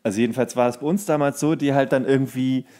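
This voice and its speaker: A man with a medium-pitched voice co-hosts a podcast. He talks in loose everyday slang, joking and thinking aloud in an informal comedic chat. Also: fairly even intonation, fast talker, mellow. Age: over 21, adult. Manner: colloquial, joking, guessing aloud. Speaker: podcast co-host.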